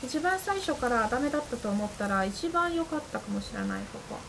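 Young female streamer, very animated and high, excitable let's-play reactions with shrieking outbursts, noisy game sound behind. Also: a little fast. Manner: shrieking outbursts, playful, talking to herself. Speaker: gamer commentating a let's play. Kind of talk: excitable gameplay commentary. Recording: noisy game audio under voice.

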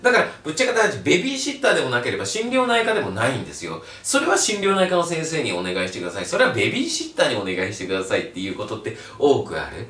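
Man, blunt lecturing instructor, wildly swinging pitch, echoey room, mic a bit distant. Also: huge pitch swings, racing, hardly any pauses, fairly bright tone. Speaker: online resale instructor. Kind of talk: video lecture. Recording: roomy echo, mic set back.

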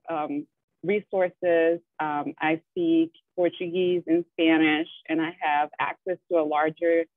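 Woman participant, flat and hesitant delivery, tinny dry call audio. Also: sits low, no echo. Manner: tentative, many fillers. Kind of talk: answering on a video call.

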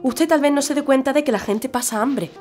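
A woman plays a spirited young working-class protester in a radio drama. Her voice is high. Faint music runs underneath. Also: a little fast, darkish tone, close to an everyday voice. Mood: startled, indignant. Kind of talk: audio drama acting.

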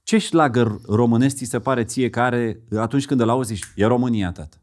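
Male host, mid pitch, casual conversational questioning with constant affirmations. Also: a little mellow. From Romania. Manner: conversational, frequent affirming interjections. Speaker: interview host. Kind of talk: casual interview chat.

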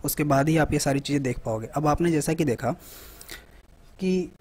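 A man hosting a tech tutorial, talking casually through a software demo and often checking in with the viewer. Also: fairly high pitch, moderate pace. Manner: conversational, repeats "theek hai" often. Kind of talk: screen-recorded software walkthrough.

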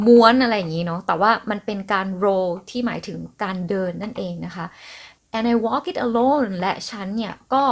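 A young adult woman hosting a podcast, chatting casually and playfully as she explains song lyrics line by line. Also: medium pitch. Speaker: podcast host.

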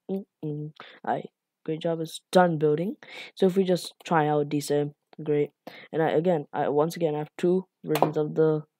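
Low, dark-voiced woman teaching code. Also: dry recording. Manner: rambling, self-deprecating, lots of fillers and apologies. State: a bit raspy from being up late. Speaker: coding tutorial host. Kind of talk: casual screen-recorded coding tutorial.

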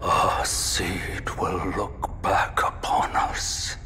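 Solemn fantasy game narrator, man, deep, breathy, forceful edge, grave and deliberate storytelling. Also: level tone, a little hiss or hum, exaggerated voice. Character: grave male storyteller of a fallen fantasy realm.

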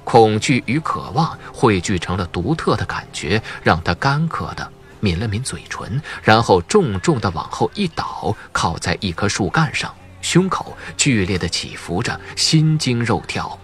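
A man's voice: fairly low pitch, sing-song, unhurried. A man narrating a suspense novel as a dramatic scripted audiobook. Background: faint music.

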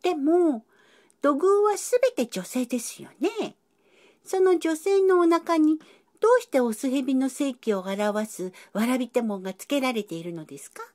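A woman's voice: sits high, expressive, moderate pace, a little mellow. A woman voicing a curious young cat who eagerly asks polite questions. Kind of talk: educational dialogue.

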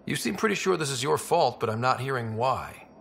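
An actor playing a level-headed expedition leader in a video game, direct and questioning with a wry edge. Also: male voice, medium pitch, lively intonation, a little fast, gravelly, fairly bright tone, slight background noise. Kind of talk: video game cutscene dialogue.

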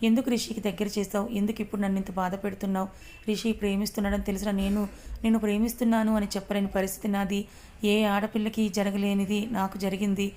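A woman's voice: mid-range voice, little pitch movement, racing, a little mellow, lightly acted. A woman voicing a heartbroken young woman, tearful and self-blaming. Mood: grieving.

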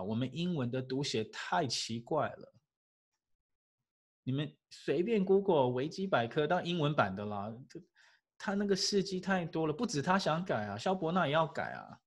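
A man with a medium-pitched voice lectures his English class in a lively way, often chuckling and asking rhetorical questions.

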